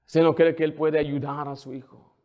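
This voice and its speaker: A man's voice: on the high side, flat delivery, moderate pace, dull audio. A male pastor preaching a sermon with fervent, emphatic repetition.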